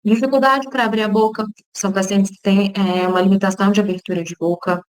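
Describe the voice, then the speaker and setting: A woman's voice: mid-range voice, steady tone, fast, no room sound, low-quality recording. A woman who is a speech therapist, explaining in an informal online lecture and checking in often with listeners, with a Brazilian Portuguese accent. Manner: casual, explanatory, frequent "tá?" check-ins.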